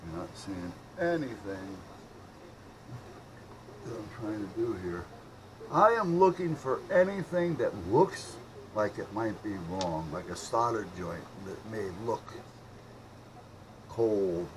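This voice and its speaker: A man chatting casually and rambling as he thinks out loud while doing hobby radio repair. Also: on the low side, lively intonation, slow pace, long pauses. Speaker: hobbyist radio repairer showing his work. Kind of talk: casual unscripted vlog chat while working. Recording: clearly noisy hobby video recording.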